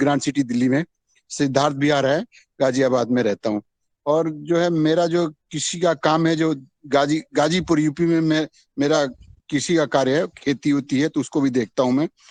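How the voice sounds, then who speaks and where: A fairly high-pitched man's voice, fairly even in intonation and very even in loudness, dry and close with no echo over a quiet background. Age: 60s. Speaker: retired farmer and yoga class organizer. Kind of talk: online meeting self-introduction. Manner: halting.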